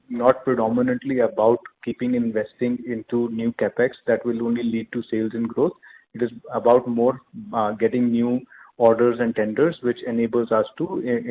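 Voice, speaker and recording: A man with an Indian accent answering questions as a company executive on an earnings call, in a measured, hesitant, formal corporate way. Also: medium pitch. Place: conference call. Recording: narrow phone line with clear noise.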